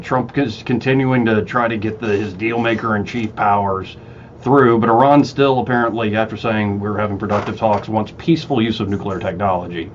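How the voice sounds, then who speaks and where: A man hosting a casual talk radio show, chatty and quick to laugh, often restarting his sentences. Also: medium pitch, highs cut off, a little hiss or hum.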